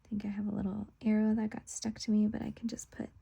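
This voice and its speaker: A woman's voice: mid-range voice, monotone, fast talker, creaky, dark tone, slightly rough. A woman casually talking through what she is doing as a craft video host, trailing off into murmurs as she concentrates. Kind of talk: casual plan-with-me chat, narrating while working.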